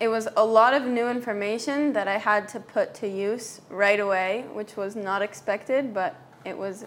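This woman has a normal speaking voice at medium pitch. She keeps a moderate pace with fairly even intonation. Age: young. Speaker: soldier. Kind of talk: interview.

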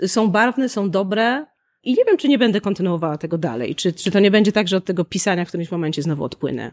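In a very clean recording with a silent background and a dry, close sound with no echo, a woman of medium pitch speaks at a very fast pace with very wide pitch swings. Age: 40s. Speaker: author. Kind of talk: interview.

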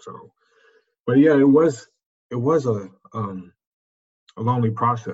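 Somewhat breathy, fairly slow speech with big swings in loudness and long, frequent pauses. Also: man, medium pitch for a man, ordinary pitch variation. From US military family, moved often. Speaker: former football player, realtor. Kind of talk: interview.

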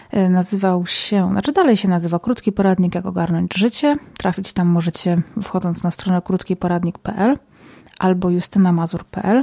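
A woman speaks at medium pitch and a moderate pace, with ordinary pitch variation and very even loudness. There is noticeable background noise, and the sound is dry and close with no echo. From Poland, Silesia (Zabrze). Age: 30s. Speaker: podcast host. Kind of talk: casual solo podcast talk.

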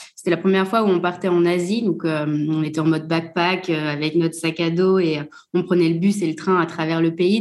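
A woman with a plain, everyday voice talks at a moderate pace. Her pitch is fairly low and her intonation fairly even. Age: 30s. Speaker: social media manager and digital nomad. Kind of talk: casual interview.

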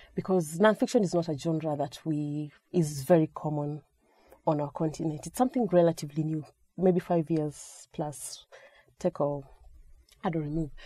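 In a Kenyan accent, a woman speaks at a moderate pace with a very deep, low pitch and ordinary pitch variation. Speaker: writer and guest co-host. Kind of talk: casual chat. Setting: studio.

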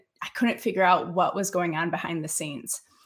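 A woman speaks in an ordinary speaking voice at medium pitch. Her intonation stays fairly even. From United States. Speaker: cultural strategist and business coach. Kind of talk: interview.

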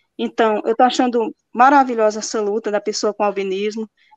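At a moderate pace, a woman with a fairly high pitch and fairly even intonation speaks in a dry, close sound with no echo. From Brazilian Northeast, Sertão of Pernambuco. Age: 40s. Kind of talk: casual interview.

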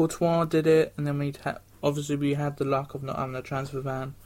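With a southern English accent, a man talks at a fairly high pitch with fairly even intonation. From southern England, Southampton. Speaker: football podcast co-host. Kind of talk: casual chat.

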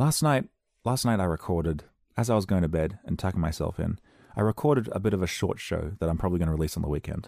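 A man talks very fast in a very deep, low voice with a dark, mellow tone and lively intonation. The recording is very clean, with a silent background. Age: 30s. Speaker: solo podcast host. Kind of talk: casual solo monologue. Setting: home recording with headphones and mic. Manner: animated.

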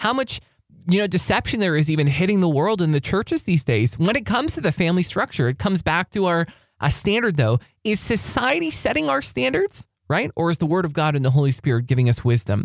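Speech at a very fast pace fills a very clean recording with a silent background. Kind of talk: pep talk. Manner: earnest, urgent, exhorting the listener; warm, encouraging.

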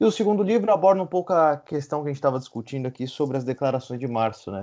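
Very fast and lively in intonation, a man is speaking. His pitch sits in the medium range. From São Caetano, São Paulo region, Brazil. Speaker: podcast co-host. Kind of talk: casual chat, interview.

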